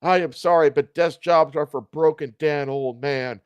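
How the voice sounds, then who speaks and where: A swaggering male cartoon cat hero, acted out by a man reading a story. He is smug, seductive and grandly righteous. The voice sits a bit high for a male and is recorded close and dry. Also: steady tone, normal speed, smooth, no echo, muffled recording, close to an everyday voice.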